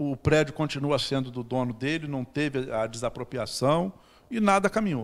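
A man speaks at a fairly high pitch. His intonation is lively and his pace moderate. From Brazil, Teresópolis (Rio de Janeiro state); Rio de Janeiro state, Brazil. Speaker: city councillor; council guest. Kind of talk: TV interview. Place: studio. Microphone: handheld.

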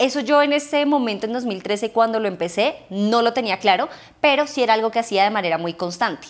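Fairly high-pitched and fairly quick, a woman speaks with lively intonation. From Colombia. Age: 20s. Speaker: YouTuber. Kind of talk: vlog monologue. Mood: warm, reflective. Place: home room.

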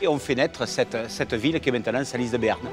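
Spoken with a southwestern French accent, this voice has music playing in the background. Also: man. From southwest France. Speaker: event announcer. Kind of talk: storytelling of local legend. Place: street. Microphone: lapel.

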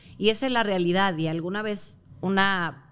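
A woman speaks at a medium pitch with ordinary pitch variation. Her tone is animated and her pace moderate. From Mexico. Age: 30s. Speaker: body-positivity influencer. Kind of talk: casual chat. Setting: live audience at a hotel. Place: studio. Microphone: studio mic.

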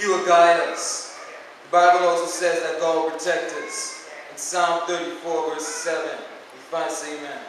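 Amid noticeable background noise and strong room echo, a man speaks fairly slowly in a high-pitched, flat, monotone voice. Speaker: evangelist preacher. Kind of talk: Sabbath youth sermon in church, scripture-reading exhortation. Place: church. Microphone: podium.

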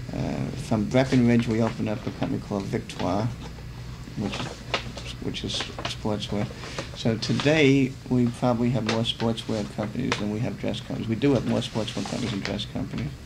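A man talks fairly quickly while noticeable noise runs in the background. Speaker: interviewee. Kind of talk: interview answer. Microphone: old recording.

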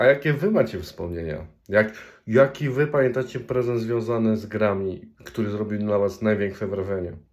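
Moderate pace with ordinary pitch variation. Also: man, fairly low pitch for a man. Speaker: gaming YouTuber. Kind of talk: casual vlog monologue. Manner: halting, frequent restarts. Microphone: phone microphone.

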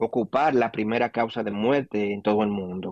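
A man speaks in an ordinary speaking voice, fairly low in pitch, at a moderate pace. His intonation stays fairly even, and the sound is dry and close with no echo. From Dominican Republic. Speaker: oncologist. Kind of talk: interview.

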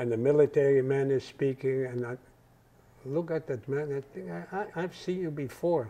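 Dark, mellow tone from a man with fairly high pitch and ordinary pitch variation. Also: moderate pace. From Netherlands, Amsterdam. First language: Dutch. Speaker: Holocaust survivor, former resistance member; interviewee. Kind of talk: interview answer. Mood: calm, reflective storytelling. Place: home room. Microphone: lapel.

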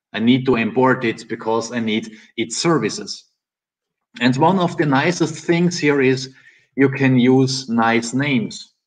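Against a quiet background, a man talks at a fairly slow pace with lively intonation. He speaks with a German accent. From Austria. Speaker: software trainer and consultant; software trainer. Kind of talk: technical talk.

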